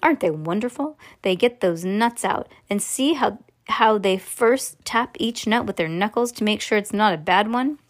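A woman voicing an excitable eccentric candy maker. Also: mid-range voice, normal speed, close to an everyday voice. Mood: explaining. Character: eccentric excitable male chocolatier, middle-aged.

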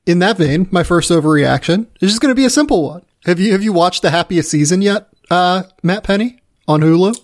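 A man's voice: high voice, lively intonation, a little fast. A man hosting a sports podcast in casual, conversational chat.

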